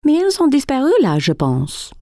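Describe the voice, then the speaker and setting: High, animated cartoon mom. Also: female voice, normal speed, no room sound, clean studio sound, exaggerated voice. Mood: cheerful. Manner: exclamatory, praising, gentle. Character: cheerful, encouraging young mother of a small boy. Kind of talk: children's cartoon dub acting. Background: children's music.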